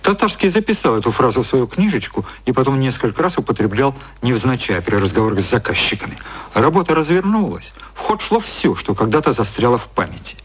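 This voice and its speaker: A man narrating a literary radio play in a measured storytelling style. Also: mid-range voice, big pitch swings, a little hiss or hum, close to an everyday voice.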